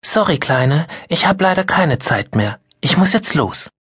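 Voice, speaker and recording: A man's voice: a little high, very animated, a bit bright, husky, no echo, studio quality, voice pushed up, full character voice. A man reading a storybook, voicing a busy working mother who is in a hurry and apologetic. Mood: hurried, apologetic. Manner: rushed, apologetic. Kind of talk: audiobook character voice.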